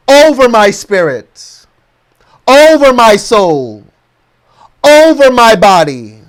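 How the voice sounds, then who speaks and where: An American man preaching a motivational sermon, leading the congregation through slow, emphatic affirmations. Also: sits high. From United States.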